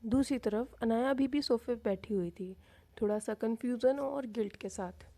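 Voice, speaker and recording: A woman's voice: a little high, normal speed, warm tone. A woman narrating a love story in a casual, chatty way.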